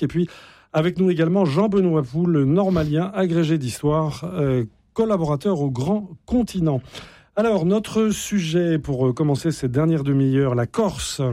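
A man hosts a radio debate, formal and probing. His voice is mellow and sits a little high. The studio sound is close and dry. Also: no room sound. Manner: formal, probing questions, frequent brief interjections.

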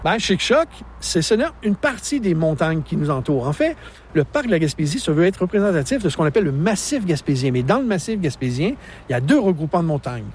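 A man's voice: on the high side, very animated, quick pace, slight background noise. A man in his sixties, a park naturalist from Quebec, explaining mountains and wildlife in a radio interview outdoors. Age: 60s.

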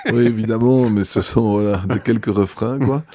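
A man, a bishop answering interview questions in a thoughtful, hesitant way with many pauses. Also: fairly low pitch, steady tone, dark tone, no room sound, clean studio sound.

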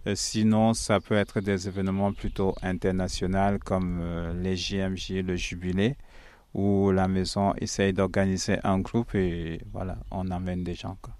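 Smooth low-voiced friar. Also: male voice, little pitch movement, a little slow, darkish tone, no echo. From Cameroon. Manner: reflective and earnest, with frequent hesitations. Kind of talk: interview answers.

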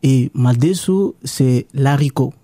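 A man's voice: mid-range voice, slow, dark tone, no room sound. A man from DR Congo with a Congolese accent, whose first language is Lingala, guesting on a radio show and talking hesitantly with many repeated words. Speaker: farm project newcomer, guest. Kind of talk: radio interview.

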